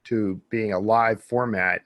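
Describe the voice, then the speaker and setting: A man's voice: fairly low pitch, fairly even intonation, measured pace, dry recording, lo-fi sound. A man hosting a podcast, chatting casually and informally with a guest. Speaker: podcast host.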